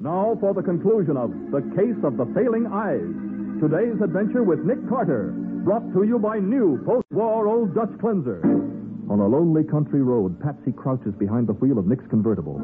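A male announcer from old-time radio delivers scripted narration with drama and polish. His slightly high voice moves widely in pitch. Music sits behind the band-limited recording. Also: lively intonation, normal speed, phone-quality sound.

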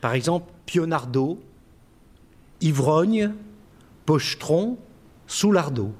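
Male quizmaster, lively pitch, playful teasing delivery. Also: slow pace. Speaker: game presenter at a live reading. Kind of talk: live word-game hosting.

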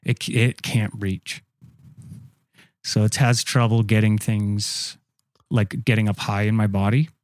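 A man co-hosting a comedy podcast, telling absurd bits in a deadpan way and teasing his friends in casual banter. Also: on the low side, takes it slowly, pauses often, no room sound, studio quality. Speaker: comedian co-host.

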